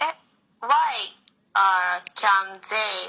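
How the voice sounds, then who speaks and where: With a Japanese accent, a woman talks at a very slow pace and a medium pitch. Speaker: yoga instructor. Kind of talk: casual chat. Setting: video call; cafe. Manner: halting.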